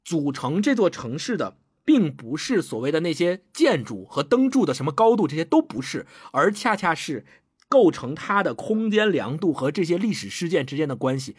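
A man co-hosting a book podcast, reading a passage aloud and then explaining it in an animated way. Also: fairly high pitch, moderate pace, slightly rough, no echo, clean studio sound. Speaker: podcast co-host.

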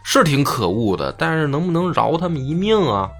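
A soft-hearted young merchant, put on by a male storyteller in a spoken folk tale. He is timid, pleads for mercy and talks earnestly. The delivery is lively and animated. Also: on the high side, brisk, creaky, voice pushed up, exaggerated voice. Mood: pleading. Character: meek, kind-hearted young merchant husband.

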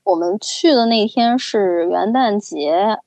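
A young woman casually telling a story as a podcast co-host, with an animated, chatty manner. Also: mid-range voice, slow, no echo. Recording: slightly dull, dry recording.

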